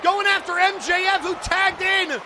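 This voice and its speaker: A man giving live wrestling play-by-play, shouting excitedly and exclaiming at the action and the referee. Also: very high voice, moderate pace. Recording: noisy event audio with loud crowd. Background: crowd noise and slamming thuds.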